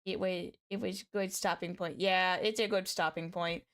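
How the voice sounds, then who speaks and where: Chatty lady streamer wrapping up, bit hoarse but still smooth, keeps restarting sentences. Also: lowish voice, steady tone, normal speed, a bit bright. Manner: chatty, repeats herself, trails off. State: slightly hoarse. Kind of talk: casual livestream chat.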